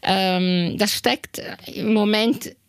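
A woman's voice: mid-range voice, steady tone, very slow, smooth, no echo. Journalist lady, lots of ums and restarts, dry close sound. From Italy. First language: Italian. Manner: hesitant, many restarts and fillers. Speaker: radio journalist. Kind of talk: interview answers.

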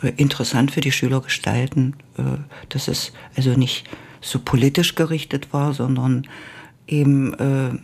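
Older woman with a gravelly voice. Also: a bass voice, flat delivery, a little mellow. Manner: slow and reminiscent, with frequent hesitations. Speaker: interviewee, former Russian teacher. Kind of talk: oral history interview.

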